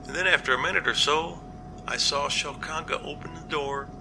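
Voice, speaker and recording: A man playing an earnest, cautious captain in an amateur audio drama, reporting in a measured, matter-of-fact way. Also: fairly high pitch, background noise, natural voice. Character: male captain, earnest, practical, cautious, plain-spoken.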